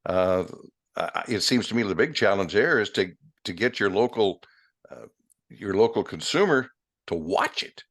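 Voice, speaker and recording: A middle-aged American man hosting a casual interview, musing his way haltingly through his thoughts. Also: on the low side, expressive, a bit bright. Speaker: interview host.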